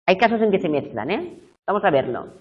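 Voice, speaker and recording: A woman's voice: fairly low pitch, sing-song, brisk. Woman tutor, muffled lecture. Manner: explanatory, checks in often with "¿eh?" and "¿de acuerdo?". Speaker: university tutor. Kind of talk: live video tutorial lecture. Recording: muffled lo-fi classroom recording.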